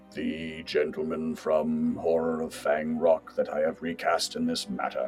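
Over clear music in the background, a man uses a put-on character voice that is raspy and gravelly. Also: moderate pace. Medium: actual play. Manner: grave, slow, gruff.

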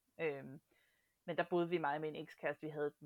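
A woman's very deep, low pitch stays on fairly even intonation. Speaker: actress. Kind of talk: casual chat.

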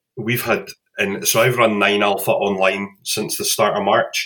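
This is a man's voice. He speaks with a Glaswegian accent. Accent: Scottish, Glaswegian. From Glasgow, Scotland. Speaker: ministry director, former bouncer. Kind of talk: casual interview, testimony.

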